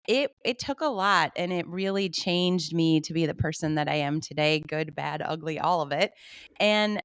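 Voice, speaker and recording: A woman's voice: lowish voice, clean tone, no echo, clean studio sound. A woman in her forties from Michigan hosting an interview podcast, upbeat and gushing, with frequent laughs. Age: 40s. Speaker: podcast host. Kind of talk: warm interview chat.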